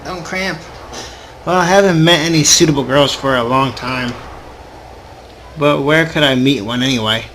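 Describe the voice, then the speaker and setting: Young adult man, higher-pitched voice, casual gaming host, informal read-aloud with stumbles, noisy recording. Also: moderate pace, pauses often, fairly bright tone. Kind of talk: casual let's play, reading visual novel text aloud with asides.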